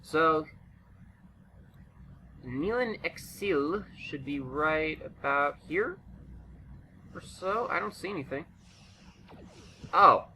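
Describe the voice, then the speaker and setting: Bright-voiced man doing gameplay commentary. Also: on the high side, expressive, takes it slowly, pauses often, slight background noise, low-quality recording. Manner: informal, chatty, exclamatory. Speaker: gaming video host. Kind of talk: casual unscripted gameplay commentary.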